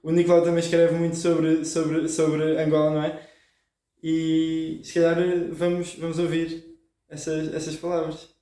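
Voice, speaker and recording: A man's voice: fairly high pitch, monotone, mellow. Distant, echoey man hosting a book talk. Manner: halting, repeats words. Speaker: book club host. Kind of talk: moderating a book discussion. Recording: echoey room, distant from mic.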